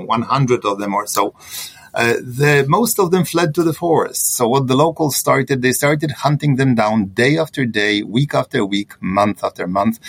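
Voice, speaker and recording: A man with a Polish accent answering interview questions in a halting, earnest way, full of fillers and restarts. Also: mid-range voice, slightly rough. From Poland. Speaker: historian guest.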